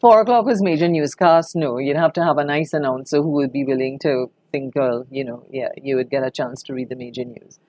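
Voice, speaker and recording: A woman's voice: a bass voice, fairly quick, few pauses, dark tone, no room sound. An older woman with a Trinidadian accent reminiscing conversationally in an interview, telling anecdotes expressively as a veteran broadcaster.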